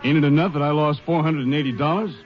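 An actor playing a plain-spoken, protesting cattle buyer in a 1950s radio western. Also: male voice, a little high, quick pace, lightly acted. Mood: aggrieved. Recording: dull old radio recording with music.

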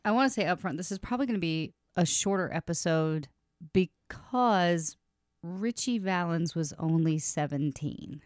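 A woman hosting a casual music podcast, talking in quick, chatty bursts and laughing often, a little sniffly from allergies. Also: on the low side, dry recording, studio quality. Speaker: podcast host. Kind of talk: casual chat.

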